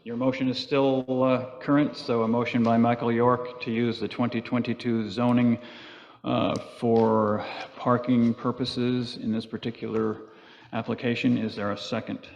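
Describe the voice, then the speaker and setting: A plainspoken man chairs a public planning board meeting, calling for motions and counting votes. His mid-pitched voice carries a long reverb from the large meeting hall. The recording sounds dull and muffled. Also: flat delivery, normal speed, gravelly, darkish tone. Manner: procedural, plainspoken.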